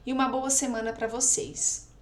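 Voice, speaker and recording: A woman's voice: a little high, flat delivery, moderate pace. A woman teacher patiently walking her pupils through a week of exercises, checking in with them often. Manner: patient, explanatory, keeps checking with "tá?". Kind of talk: recorded remote lesson explaining exercises. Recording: echoey room.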